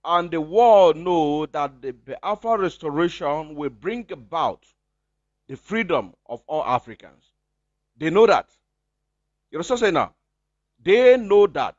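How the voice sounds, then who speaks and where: A man's voice: fairly high pitch, expressive, unhurried, pauses often, no room sound, muffled recording. A man with a Nigerian accent giving impassioned livestream commentary, hammering points with repeated rhetorical questions. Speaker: activist livestreamer.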